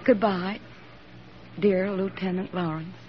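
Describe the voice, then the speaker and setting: An actress playing an eager young army nurse in a 1940s radio drama, earnest and soft-spoken, on a dull old radio recording. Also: female voice, lowish voice, steady tone, slow pace. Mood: tender.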